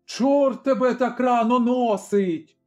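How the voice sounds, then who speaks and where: A man's voice: high-pitched, very slow, a little mellow. A man voicing a cruel, furious middle-aged female innkeeper with a coarse, shrieking voice in a storybook reading. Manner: shrieking, threatening. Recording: slightly dull recording, faint music.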